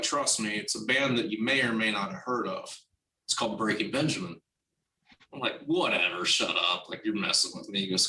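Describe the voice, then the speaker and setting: A man telling a long casual story about his drumming career in an interview, animated and acting out the dialogue he quotes. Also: lowish voice. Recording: roomy, distant from the mic, faint noise.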